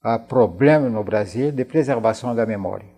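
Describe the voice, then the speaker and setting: A very old man with a French accent and a dark, soft-edged voice recalls things in an interview. He speaks haltingly, circling back to repeat words as a non-native speaker does. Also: lowish voice. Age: 90s. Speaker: interview guest, war veteran. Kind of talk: conversational recollection in a television interview.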